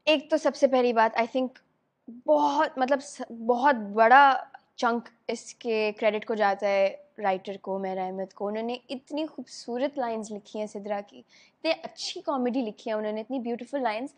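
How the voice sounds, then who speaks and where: A woman's voice: fairly high pitch, normal speed. A young woman with a Pakistani accent, chatting in an interview as an actress guest, laughing often and slipping English into her talk. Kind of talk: casual interview chat.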